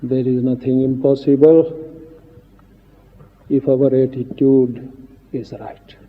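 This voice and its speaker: A man giving a solemn devotional speech as a spiritual teacher, in halting short phrases with long pauses. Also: mid-range voice, little pitch movement. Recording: muffled 1950s archive recording, reverberant hall, phone-like.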